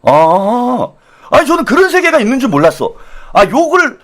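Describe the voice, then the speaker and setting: A man delivers a self-mocking satirical monologue as host of his channel. His voice sits high and leaps around a lot, moving between low asides and loud outbursts. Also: big pitch swings, moderate pace.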